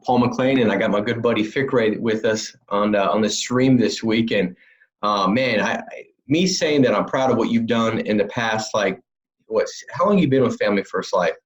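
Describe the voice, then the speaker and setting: A man's voice: lowish voice, normal speed. Upbeat sales guy hosting a stream, lots of "you know", slightly dull lo-fi sound. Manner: upbeat, chatty, full of fillers. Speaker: sales trainer and host. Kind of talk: casual livestream interview.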